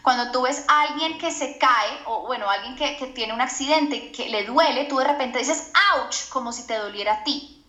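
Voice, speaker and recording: Bright high-voiced woman explaining earnestly. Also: normal speed. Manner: earnest teacher tone, often asks for agreement. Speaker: psychologist guest on a parenting podcast. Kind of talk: explanatory podcast interview. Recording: roomy echoing sound.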